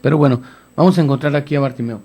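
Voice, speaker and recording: Guy preaching on the radio, raspy fried voice, tells the bible story big. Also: medium pitch, rapid-fire. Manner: retells scripture dramatically, rising to shouts of pleading. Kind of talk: radio sermon.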